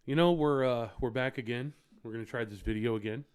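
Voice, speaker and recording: A man's voice: mid-range voice, brisk, clear, resonant tone. A laid-back, joking man co-hosting a casual podcast from a home studio, swearing freely. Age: adult with a child. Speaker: podcast co-host and editor. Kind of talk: casual chat.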